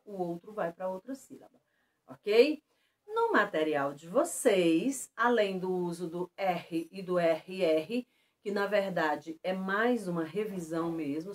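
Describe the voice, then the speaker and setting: A Brazilian woman teacher giving a lesson to schoolchildren, stressing example words slowly and clearly. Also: mid-range voice. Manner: lively, slow and emphatic on example words. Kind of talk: remote lesson for children.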